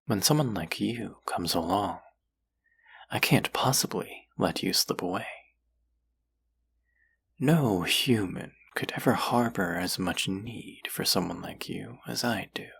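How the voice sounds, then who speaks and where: Man as a very deep, gravelly, possessive demon. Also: a bit bright, exaggerated voice. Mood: possessive, hungry. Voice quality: low, husky, gravelly. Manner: slow, teasing, menacing, often dropping to a whisper. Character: possessive, seductive demon who craves human hearts. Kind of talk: intimate scripted audio roleplay.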